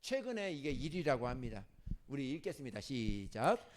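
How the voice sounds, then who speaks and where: A man preaching a sermon as a pastor, animated, turning from loud scolding to soft asides and asking the congregation questions. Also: mid-range voice, normal speed, slight background noise. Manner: asks the congregation questions and jokes with them.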